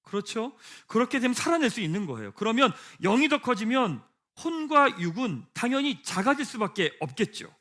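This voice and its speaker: Animated Korean pastor preaching. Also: male voice, very high voice, brisk, hardly any pauses. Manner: leads congregation in reading scripture aloud; rhetorical questions, swings from hushed to emphatic. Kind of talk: sermon. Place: church sanctuary.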